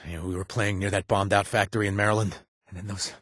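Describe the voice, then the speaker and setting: A man's voice: fairly low pitch, little pitch movement, fast, fairly bright tone, dry recording, clean studio sound. A man voicing a weary, streetwise game companion who pleads emotionally with his lost brother, his voice rising when desperate. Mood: urgent pleading. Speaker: companion character in a video game. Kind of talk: game voice acting.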